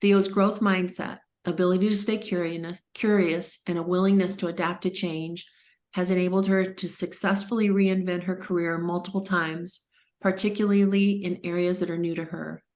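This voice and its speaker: Lady hosting a video call panel, reading speaker bios, calm and measured, a bit low pitched. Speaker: event host introducing panelists. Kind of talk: scripted introductions read aloud.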